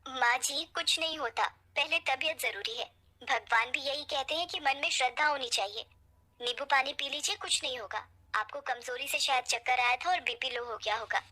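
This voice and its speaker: A woman voicing a gentle, devoted young bride in a spoken storybook tale, talking in a caring way. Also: high-pitched, moderate pace. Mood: worried.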